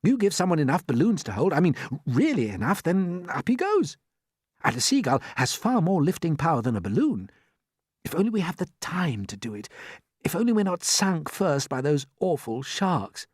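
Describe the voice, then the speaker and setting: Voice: medium pitch, big pitch swings, normal speed, darkish tone, husky, no echo, clean studio sound, pitched above the performer's own voice. A storyteller voicing an earnest, clever young boy explaining a bold plan. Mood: determined. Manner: earnest, stammering at times.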